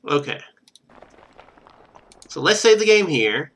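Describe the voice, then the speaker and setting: A man's voice: on the high side, very animated, takes it slowly, fairly bright tone. A man doing casual video game commentary, thinking aloud as he plays.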